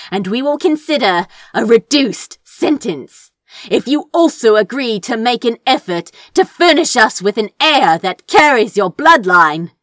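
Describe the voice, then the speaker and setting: A cold, commanding demon lord from a fantasy audiobook, as a woman reader acts it. The delivery is formal and imperious, with strong swings of pitch on each demand. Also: a bit bright, no room sound.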